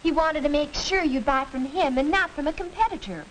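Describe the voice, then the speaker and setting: A young woman playing a confident high school student lecturing her classmates, in 1940s educational film acting, on a hissy old film soundtrack. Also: fairly quick, lightly acted, low-quality recording.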